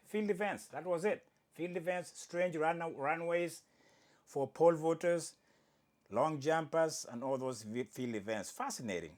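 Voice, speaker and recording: With a mid-range voice, this Swahili-speaking host of a laid-back sports commentary show stays animated and jokey. He frequently corrects himself mid-sentence.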